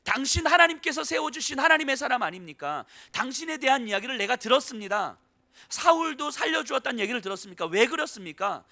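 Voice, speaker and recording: A desperate woman on her knees, crying out to an angry warrior in a rush of urgent rhetorical questions, as a male preacher puts her on. The voice sits high and bright, and it pushes hard through every plea. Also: very animated, a little fast, few pauses, heavily acted. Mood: urgent pleading. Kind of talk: sermon with acted biblical speech.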